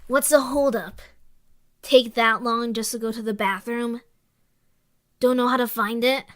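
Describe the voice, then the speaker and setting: A woman's voice: a little high, fairly even intonation, a little slow, lightly acted. A woman playing a cheeky, defiant young boy in an audio drama, sarcastic and needling. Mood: cheeky taunting.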